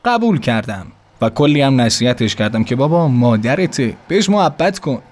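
A man narrating a comic story in a hushed, half-whispered, intimate way. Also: mid-range voice, big pitch swings. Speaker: sketch performer.

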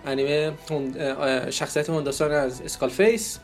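A podcast co-host with a fairly high voice and fairly even intonation announces poll results in casual chat. He jokes, laughs often, and asks playful, rhetorical questions, with faint music behind him.

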